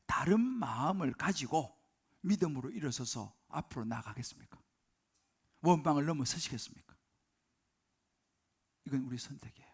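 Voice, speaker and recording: A man preaching a Sunday sermon from a church pulpit, his voice high and edged with fry. He presses the congregation with rhetorical questions and emphatic turns. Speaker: senior pastor. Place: church sanctuary during service.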